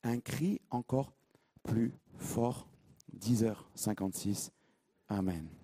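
A man preaching a sermon, reading scripture and then teaching, emphatic and repeating his key phrases as his voice swings from loud to hushed. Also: fairly low pitch, takes it slowly, no echo.

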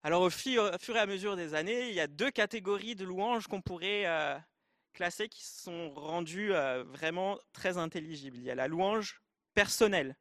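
A man with a light Arabic accent delivers a sermon in a fairly high voice. He talks earnestly, speaking straight to the congregation. The sound is dry and close, with no room echo. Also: normal speed, fairly bright tone. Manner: earnest, direct address to the congregation. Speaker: preacher.

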